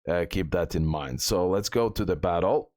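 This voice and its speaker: Low-voiced man, dry close sound. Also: normal speed, a little mellow, no room sound. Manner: repetitive, checks in with the listener. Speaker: video game guide host. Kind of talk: casual gameplay commentary.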